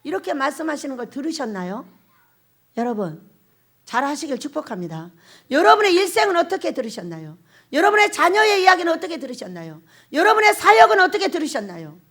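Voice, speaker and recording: A woman pastor delivers a sermon in a high, animated voice. Her pitch swings widely as she presses the congregation with emphatic questions. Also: brisk. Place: church or prayer house hall.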